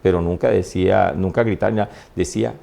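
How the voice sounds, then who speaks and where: A man, a priest and invited guest, telling personal stories in an animated, conversational way, often laughing and acting out his mother's words. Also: low voice, fast talker, vocal fry. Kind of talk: conversational storytelling.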